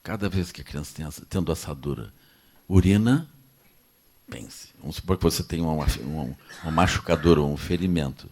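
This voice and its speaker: Low husky man giving a dharma talk. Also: brisk. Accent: Brazilian Portuguese. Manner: relaxed, joking, repeats "é assim, né". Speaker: Buddhist teacher. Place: lecture at a meditation center.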